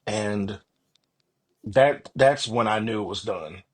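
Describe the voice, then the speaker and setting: A man with a lowish, breathy-edged voice speaks slowly as an author guest in a casual interview. He tells stories earnestly and self-deprecatingly, sharing his own thoughts in an animated chat.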